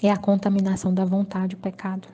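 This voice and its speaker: Brazilian woman, catholic channel host, earnest and repetitive, soft dark tone. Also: mid-range voice, monotone, quick pace, highs cut off. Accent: Brazilian Portuguese. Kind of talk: personal testimony talk.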